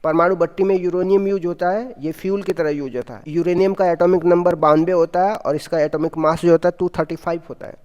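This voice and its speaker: A man's voice: high-pitched, steady tone, quick pace, hardly any pauses, darkish tone, big-room sound, dull audio. A man teaching an exam-prep lesson, asking quiz questions and answering them himself with brief explanations.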